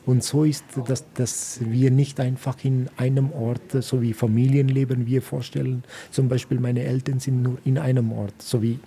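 A man from India, a priest, speaking German as a second language in a radio interview, halting and searching for words. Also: mid-range voice, level tone, mellow. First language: not German.

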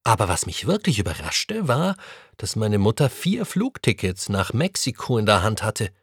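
A man reading a first-person adventure story aloud, with an animated, expressive delivery. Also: lowish voice, moderate pace, husky, dry recording, clean studio sound. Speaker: story reader.

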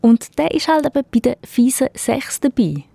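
A woman's voice: sits high, sing-song, moderate pace, gravelly, dark tone. A woman presenting a radio feature introduction.

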